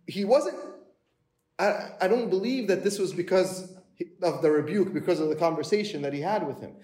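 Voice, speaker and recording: A man's voice: sits high, normal speed, a little mellow. Conversational male preacher in echoey room. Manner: conversational, acts out quoted voices of the story. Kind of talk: sermon.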